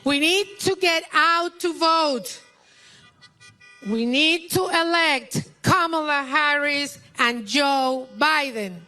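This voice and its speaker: A woman's voice: sits high, drawn-out words, bright, forceful tone, faint music behind. A Puerto Rican woman giving an impassioned speech at an outdoor political rally, rousing the crowd in a Puerto Rican accent. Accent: Puerto Rican Spanish. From Puerto Rico. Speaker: rally speaker.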